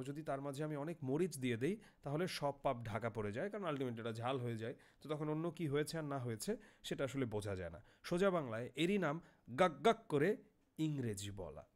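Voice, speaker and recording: A young man teaching a literary text, reading a passage aloud and then explaining each word with questions. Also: fairly high pitch.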